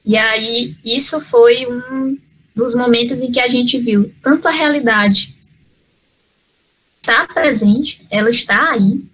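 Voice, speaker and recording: A woman from Brazil speaking on an online panel over a video call, earnest and halting, with many fillers and restarts. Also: fairly high pitch, fairly bright tone, a little hiss or hum, rough recording. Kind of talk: spontaneous talk in an online panel.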